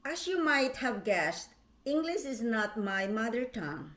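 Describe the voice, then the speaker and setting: A middle-aged woman from the Philippines, slowly and carefully reading a prepared personal statement as a vlog host. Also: fairly high pitch, big pitch swings, fairly bright tone. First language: Tagalog.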